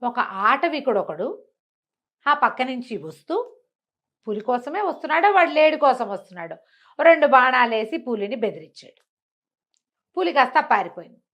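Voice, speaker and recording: A woman telling a story in an animated, conversational way, as an informal oral storyteller. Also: high voice, moderate pace, long pauses, lo-fi sound. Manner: conversational, acts out characters' dialogue.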